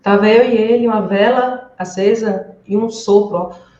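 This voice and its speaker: A woman's voice: medium pitch, moderate pace, reverberant, lo-fi sound. A woman from Bahia with a Bahian Brazilian accent, giving a casual, emphatic spiritual testimony as an interview guest. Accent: Bahian Brazilian Portuguese. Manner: animated, emphatic, addresses listeners as "gente".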